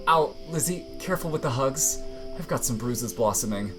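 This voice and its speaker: Wry, very low-voiced young friend. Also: female voice, expressive, moderate pace, music in the background. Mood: amused, wry. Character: wry, easygoing young woman, joking and bruised friend. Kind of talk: audio drama acting.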